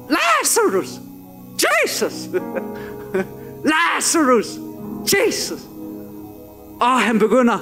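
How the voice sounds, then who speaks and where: Animated male preacher, very high voice, acts out quotes, soft instrumental music underneath. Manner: animated preaching, acting out Jesus' words, chuckles at own jokes. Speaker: pastor. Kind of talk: sermon. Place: church.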